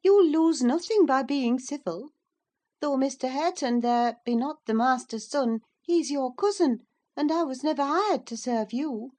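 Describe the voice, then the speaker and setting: A woman's voice: sits high, lively intonation, unhurried, a little mellow, pitched above the performer's own voice. A woman reading an audiobook and voicing a blunt female servant who firmly scolds a girl. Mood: reproving. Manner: firm, reproving. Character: plain-spoken older female servant, firm and blunt.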